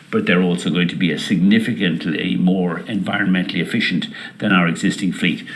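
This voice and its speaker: A man presenting company results as an airline executive, semi-scripted, in a deliberate, hesitant delivery with frequent pauses. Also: on the low side.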